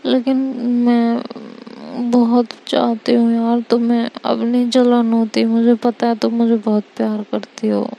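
A woman's voice: a little high, flat delivery, measured pace, vocal fry, dark tone. A woman voicing a lovesick young woman. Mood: longing, pleading. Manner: pleading, emotional, sighing. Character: young woman in love, missing her girlfriend.

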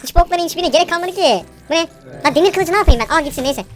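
A woman commentating her own gameplay live, brash and bossy, yelling slangy orders at the game's monsters. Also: extremely high pitch, animated, racing, slight background noise.

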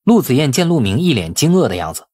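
Audiobook narrator, male, husky tone, animated intonation, dramatic storytelling. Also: mid-range voice, quick pace, no room sound, studio quality. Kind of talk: dramatic scripted narration of a novel.

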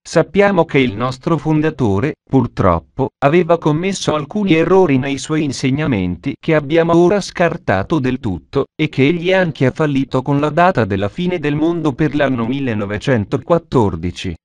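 A man's voice: animated, normal speed, few pauses, no echo, natural voice. A man voicing a pushy doorstep preacher. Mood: insistent. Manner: insistent, earnest sales-pitch preaching. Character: pushy male door-to-door preacher. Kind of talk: dubbed parody voice-over.

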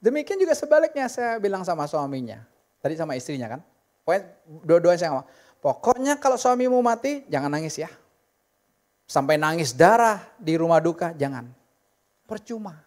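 A woman preacher, giving a sermon at a church service in an animated, joking way and speaking straight to the congregation. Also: medium pitch.

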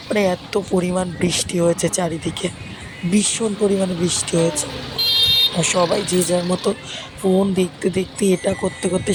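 A woman vlogger with a hoarse voice from a cold, chatting casually to her viewers and repeating herself. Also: on the low side, noisy background. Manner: chatty, repetitive, addresses viewers directly. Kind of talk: casual vlog narration to viewers.

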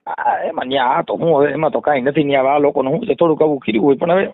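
High-pitched, fast Kathiawadi Gujarati man on phone. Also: dry recording. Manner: insistent, explanatory, repeats phrases for emphasis. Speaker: community activist. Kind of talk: animated phone discussion. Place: phone call. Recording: muffled lo-fi phone call recording.

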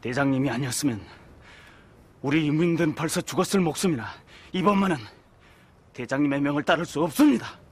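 High, raspy, vengeful male refugee. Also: fairly quick, long pauses. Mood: defiant. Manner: impassioned, defiant. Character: vengeful, embittered male refugee rebel in historical drama. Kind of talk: historical TV drama acting.

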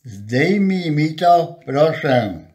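A man's voice: fairly high pitch, sing-song, drawn-out words, darkish tone, heavily acted. A man playing a terse, long-suffering, pleading husband in an amateur radio comedy. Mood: pleading, exasperated.

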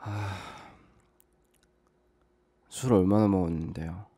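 Low dark-voiced man, whispered role-play. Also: slow pace, husky, no room sound. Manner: calm, hushed phone talk that turns urgent and reassuring. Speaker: voice actor in a phone-call role-play.

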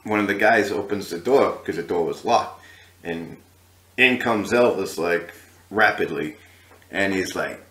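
A man retells a story in a loose, rambling way, full of fillers and asides. His voice sits low. It echoes around the room. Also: unhurried, bright, forceful tone. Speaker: video host. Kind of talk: casual storytelling.

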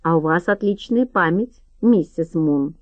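A gruff, blunt male lawman, read by a woman narrator who booms his questions and cuts others short. The voice stays near the narrator's own. The sound is dry and a little dull. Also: lively intonation, unhurried, dry recording. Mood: curt. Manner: booming, curt.

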